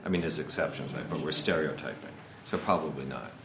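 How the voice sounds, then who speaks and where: A man in his fifties, a guest speaker on investment, rambles through an informal seminar, sprinkling his talk with "you know" and "right." His voice is extremely low and he talks fast. The seminar room recording is echoey with faint noise.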